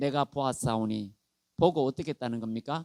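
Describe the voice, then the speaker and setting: The sound is dry and close with no echo, recorded very cleanly against a silent background. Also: man. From Gyeongsang region, South Korea. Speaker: pastor. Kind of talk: sermon.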